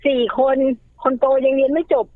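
A woman with a fairly high voice talks through family troubles in a lively, animated way. She gives advice in casual talk. The sound is thin and phone-like, with no room echo. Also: moderate pace. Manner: animated, acts out quoted lines. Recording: tinny phone-like line, dry.

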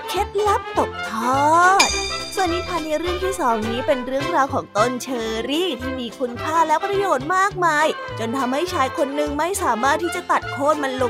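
A young woman hosting a children's story hour, narrating in a sweet, expressive way to kids, with children's music behind. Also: high voice.

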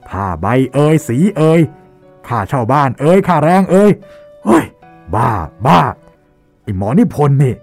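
An audiobook character, acted by a man, is a hot-tempered shop manager. He rants in loud exasperation, and his pitch is pushed well upward. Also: big pitch swings, measured pace, vocal fry, faint music behind, exaggerated voice. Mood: angry, exasperated. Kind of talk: dramatized audiobook acting.

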